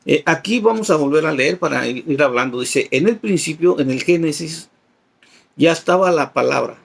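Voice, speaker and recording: Creaky, husky male catechist teaching. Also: a little high, expressive, moderate pace. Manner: explains patiently, reads passages aloud and gives everyday examples. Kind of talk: Bible class.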